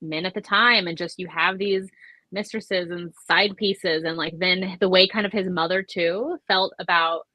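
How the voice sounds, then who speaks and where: A woman's voice: lowish voice, steady tone, a little slow, bright, forceful tone, no room sound, rough recording. A woman chatting casually in a book discussion, talking in a filler-heavy way and slipping into imagined dialogue. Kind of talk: casual book club chat.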